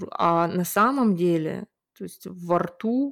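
This woman has a medium-pitched voice. She speaks at a very slow pace. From Siberia, Russia (Omsk). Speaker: Russian language teacher. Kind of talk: casual interview.

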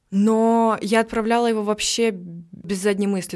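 Speaking at a moderate pace, a woman with an unremarkable speaking voice keeps her medium pitch in fairly even intonation. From Russia, Tolyatti. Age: 20s. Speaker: cinematographer and editor. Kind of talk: interview.

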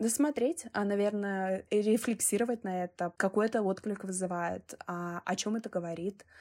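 A woman speaks at a moderate pace in an unremarkable speaking voice, her intonation fairly even. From Russia, Arkhangelsk. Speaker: business psychologist and coach. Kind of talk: interview.

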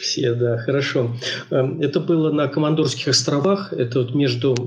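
Intonation holds fairly even. Delivery moves at a fairly slow pace. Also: man. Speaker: underwater photographer. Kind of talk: casual interview. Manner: hesitant, many filler sounds.

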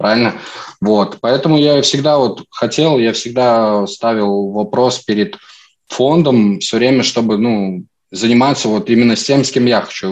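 Over a quiet background comes an ordinary speaking voice. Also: man. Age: 20s. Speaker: professional poker player. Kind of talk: casual interview.

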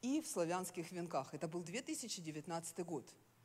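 A woman talks in a fairly low voice. Her pitch swings very widely. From southern Russia, Rostov-on-Don. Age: 40s. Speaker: woman preacher. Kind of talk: sermon.

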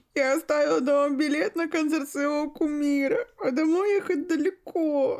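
A woman puts on a character voice pitched high. She keeps to a moderate pace. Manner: tearful, upset.

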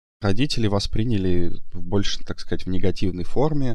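At a fairly quick pace, a man talks in an unremarkable speaking voice with ordinary pitch variation. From Moscow, Russia. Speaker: business consultant, emigrant. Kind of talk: recorded personal story.

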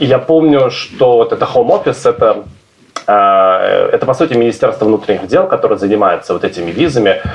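With noticeable background noise around him, a man keeps very even loudness at a fairly quick pace. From Russia, Obninsk near Moscow. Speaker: immigrant. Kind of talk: casual interview.

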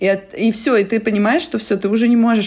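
A woman rattles along at a very fast pace, with noticeable background noise present. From Russia, Kaliningrad. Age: 30s. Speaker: podcast co-host, feminist organization co-founder. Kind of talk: casual chat. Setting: in person, together in Antwerp.

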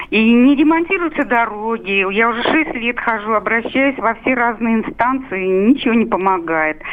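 At a moderate pace, a woman with a fairly high pitch and lively intonation talks over noticeable background noise. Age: 60s. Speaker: caller. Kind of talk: phone-in complaint. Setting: phone call.

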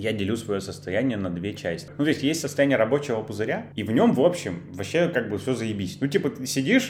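A man talks at a fairly quick pace, his pitch swinging very widely. There is audible room echo and music plays in the background. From Russia. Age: 30s. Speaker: podcast co-host. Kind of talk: casual chat.

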